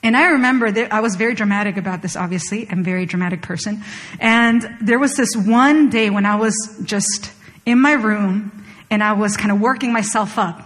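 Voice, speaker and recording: A young adult woman from Chile preaching a sermon, telling a personal story in a conversational, animated way with casual fillers. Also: medium pitch, brisk. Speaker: pastor. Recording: long hall reverb.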